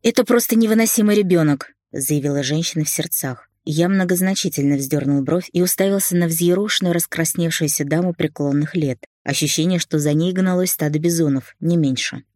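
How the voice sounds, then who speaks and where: A woman narrating an audiobook in a steady, expressive storytelling manner. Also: sits low, fairly quick, few pauses, no echo, studio quality.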